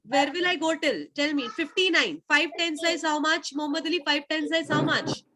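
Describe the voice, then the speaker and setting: A woman's voice: high voice, normal speed, sharp tone, slight background noise. A woman with a South Asian accent teaching an interactive maths lesson online, repeating her questions insistently to pupils.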